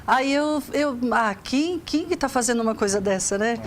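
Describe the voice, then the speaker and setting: A woman's voice: a little high, animated, normal speed, a little hiss or hum. Chatty woman teacher with a Southern Brazilian accent. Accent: Southern Brazilian Portuguese. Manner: chatty storytelling with restarts. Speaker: teacher and arts coordinator. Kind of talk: casual talk show interview.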